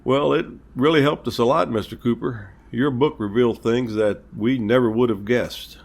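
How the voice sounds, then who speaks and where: A man playing a polite, reassuring police captain, speaking in a measured, earnest way in an amateur audio drama. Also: medium pitch, gravelly. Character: courteous, reassuring male small-town police captain.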